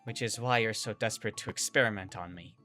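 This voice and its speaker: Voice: mid-range voice, fast, pushed and bright, soft background music, lightly acted. A performer playing an anxious, wry young survivor woman, narrating and speaking in a first-person audio drama. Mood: uneasy, questioning.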